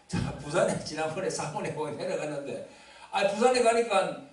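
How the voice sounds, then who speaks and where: 울림 큰 교회에서 설교하는 경상도 남자 목사. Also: male voice, fairly high pitch, lively intonation, normal speed. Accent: Gyeongsang Korean. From Gyeongsang region, Korea. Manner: conversational preaching with congregation responses and asides. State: seated due to an injured ankle. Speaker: pastor. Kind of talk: sermon. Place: church sanctuary. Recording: very echoey church hall, somewhat distant mic.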